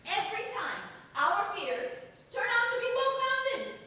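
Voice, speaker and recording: A woman's voice: extremely high pitch, big pitch swings, measured pace, pushed and bright, far from the mic, exaggerated voice. A woman in a staged reading playing a hard-line secularist, pointed, insistent and accusatory in a dramatic delivery. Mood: insistent, alarmed. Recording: echoing hall from afar, faint noise.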